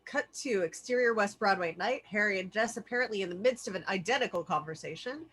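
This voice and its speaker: Female table-read narrator, bright forceful tone, scripted stage directions. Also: mid-range voice, quick pace, breathy edge.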